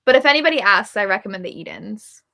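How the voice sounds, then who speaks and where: Woman, bright voice with some fry, casual livestream book chat, candid, opinionated. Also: medium pitch, expressive, fast. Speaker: book reviewer and livestream host. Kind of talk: casual chat about books on a live show.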